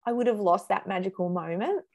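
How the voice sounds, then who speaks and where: A mother, answering interview questions in an earnest, animated way with frequent "like"s. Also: medium pitch, brisk. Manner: earnest, animated storyteller, says "like" often. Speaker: guest, mother.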